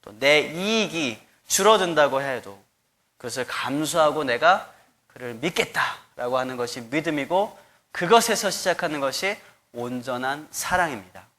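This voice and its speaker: A man in his thirties, a pastor preaching a sermon with animated storytelling. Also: fairly high pitch, moderate pace. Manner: animated storytelling, acts out quoted voices.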